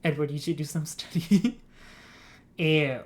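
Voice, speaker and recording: A woman's voice: sits low, slow. A woman streaming a game, explaining game mechanics in a rambling, giggly way. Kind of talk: casual gameplay stream chat.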